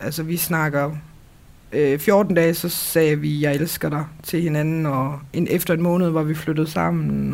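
Very slow, very deep and low speech from a woman. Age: 20s. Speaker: single mother and university student. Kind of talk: casual interview.

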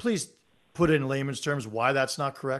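The speaker keeps a moderate pace with ordinary pitch variation. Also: man. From Ontario, Canada. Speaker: sports radio host. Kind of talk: casual radio interview. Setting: radio studio. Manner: animated.

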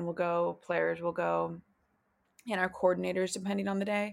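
On a very clean recording with a silent background, a woman with a West Coast accent talks at a fairly quick pace in a fairly low, flat, monotone voice. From US West Coast (San Francisco Bay Area). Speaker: football team communications staffer. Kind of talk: interview.

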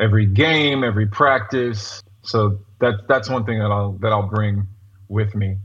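In a normal speaking voice, a man with an American accent and a fairly low pitch talks at a moderate pace with fairly even intonation. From Long Island, New York. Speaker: father and podcast guest. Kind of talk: casual interview chat.

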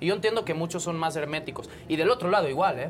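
Against noticeable background noise, a man speaks at a very fast pace and a fairly high pitch, with ordinary pitch variation. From Catalonia, Spain. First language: Catalan (speaking Spanish). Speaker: ex-footballer and football commentator. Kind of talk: casual chat.

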